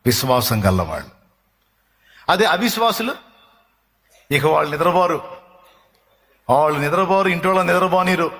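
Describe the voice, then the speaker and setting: A man's voice: on the high side, fairly bright tone. A male pastor preaching a sermon with emphasis, often putting rhetorical questions to his congregation.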